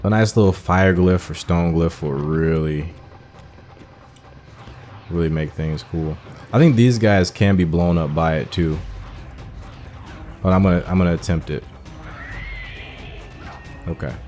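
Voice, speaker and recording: A man's voice: sits low, a little slow, pauses often, darkish tone. A man giving casual gameplay commentary as a video host, informally thinking aloud as he plays. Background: game music.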